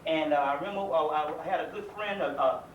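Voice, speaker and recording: A man's voice: a little high, fairly quick, highs cut off. A man from South Carolina with a Southern accent, giving a folksy, earnest community lecture in a conversational way. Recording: echoey room, mic far off, faint hiss.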